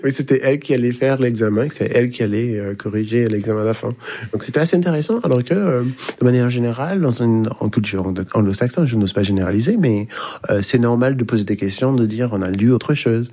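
A man's voice: mid-range voice, quick pace, mellow. A man from the English-speaking Caribbean, a university lecturer, telling a story in hesitant French with many fillers. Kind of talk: recorded interview testimony.

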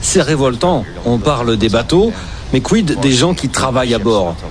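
A man reading an earnest, steady voice-over translation for a port worker. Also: medium pitch, moderate pace, a crowd in the background.

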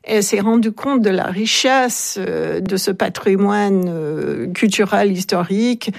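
A woman's voice: medium pitch, measured pace, vocal fry. A woman, the author of a book, telling her subject's story in a radio interview, speaking conversationally with frequent hesitations.

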